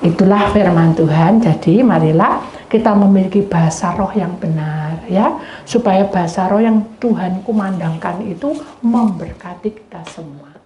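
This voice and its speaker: A woman pastor, preaching a sermon and telling a story with lively, changing voices. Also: on the low side, moderate pace, highs cut off. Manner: animated, acting out both sides of a story in changing voices. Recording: echoey church hall with faint noise.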